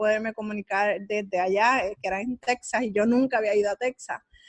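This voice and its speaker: A woman speaks at a moderate pace with a Puerto Rican accent and a fairly high pitch. Her intonation stays fairly even, and the sound is dry and close with no echo. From Puerto Rico. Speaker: personal finance mentor and podcaster. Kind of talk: interview.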